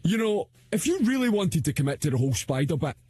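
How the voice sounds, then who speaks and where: An actor with a Scottish accent playing a gruff, mocking armored fighter in a game trailer. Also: male voice, on the high side, very animated, quick pace, warm tone, faint music behind. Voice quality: thick, hard to follow for a learner.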